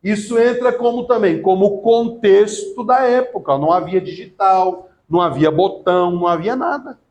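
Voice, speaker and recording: A middle-aged man giving a classroom theology lecture, lively and often asking the class questions. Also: sits high, normal speed. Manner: lively, asks the class questions and acts out quotes. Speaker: theology teacher.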